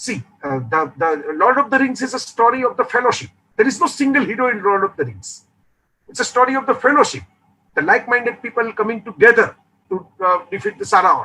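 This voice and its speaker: This man speaks with a Gujarati accent in an extremely high, bright and sharp voice. He projects it loudly at a fairly quick pace with lively intonation. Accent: Indian (Gujarati) English. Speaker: author and motivational speaker. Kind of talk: webinar talk. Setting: online webinar. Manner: halting, with many fillers.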